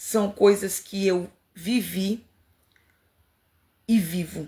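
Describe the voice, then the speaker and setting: A woman speaks at a very slow pace in a somewhat breathy voice of medium pitch. Her tone is dark and mellow, and her intonation fairly even. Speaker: pastor. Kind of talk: sermon. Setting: live stream.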